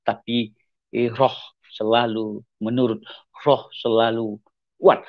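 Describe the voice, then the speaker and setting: A man's voice: little pitch movement, slow pace. A middle-aged man from Aceh, Indonesia, with a mixed Acehnese accent, giving an earnest personal testimony as an evangelist. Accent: Acehnese with mixed Medan, Timor and Malaysian traces. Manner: earnest, repetitive, sudden rises in pitch for emphasis. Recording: slightly dull lo-fi audio.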